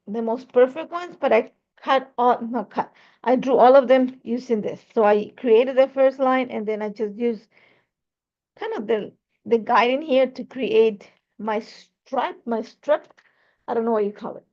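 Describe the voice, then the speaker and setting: A woman's voice: fairly high pitch, gravelly, dull audio. A woman from Ecuador chatting casually through a scrapbooking tutorial, rambling and correcting herself as she goes. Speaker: scrapbooking crafter demonstrating a layout. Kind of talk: casual craft tutorial talk.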